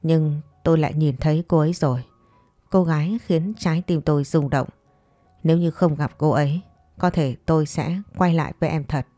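A proud, composed man speaks in a measured, mellow tone, played by a woman storyteller. It is fireside storytelling of a romance, coolly matter-of-fact, with quiet music underneath. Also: sits low, fairly even intonation, no echo, lightly acted. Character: composed, proud man coolly rejecting his former girlfriend.

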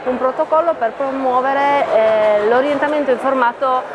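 A woman's voice: high-pitched, highs cut off. Middle-aged woman at a noisy fair. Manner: measured, hesitant with many fillers and restarts. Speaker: training officer for a farmers' association. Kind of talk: stand interview at a food fair. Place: busy exhibition hall stand with a crowd. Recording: crowd chatter and hall noise behind.

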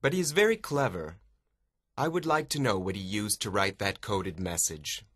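A man's voice: lowish voice, lively intonation, normal speed, fairly bright tone, breathy edge, dry recording, clean studio sound. A man voicing a stern, baffled prison warden in an audiobook, insistent and demanding. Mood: exasperated. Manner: insistent, questioning, exclamatory.

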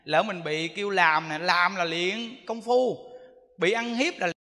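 A man, a Buddhist monk giving an animated sermon, repeating himself and speaking straight to his listeners. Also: high voice, a little slow. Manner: animated, repetitive, addresses listeners directly. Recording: long reverb of a hall.

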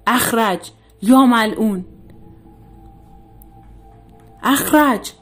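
A woman voicing a stern male exorcist who gives firm orders, in a husky voice. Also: medium pitch, faint music behind, natural voice. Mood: commanding. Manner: commanding, stern.

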